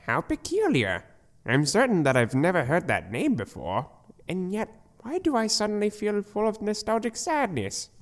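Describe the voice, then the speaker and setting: A woman's voice: mid-range voice, huge pitch swings, measured pace. A woman voicing a boastful, innocent male skeleton monster with pompous, theatrical delivery in a fan comic dub. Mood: puzzled.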